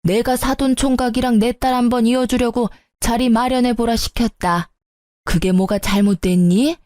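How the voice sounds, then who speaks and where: A woman's voice: fairly high pitch, fairly even intonation, normal speed, a little mellow, no echo, clean studio sound, close to an everyday voice. A woman voicing a bossy older mother-in-law in a story radio drama, haughty and scolding.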